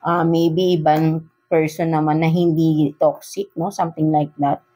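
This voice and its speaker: A woman's voice: sits low, flat delivery, a little slow, warm tone. A woman with a Filipino accent giving a casual tarot love reading, switching between Tagalog and English and tagging nearly every phrase with a questioning "no?". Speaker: tarot reader.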